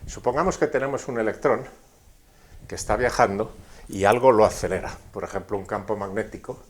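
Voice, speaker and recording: Low-voiced man explaining physics step by step. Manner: deliberate, step-by-step, with rhetorical questions. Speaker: physics lecturer explaining at a board. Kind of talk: didactic science explanation, scripted-like lecture.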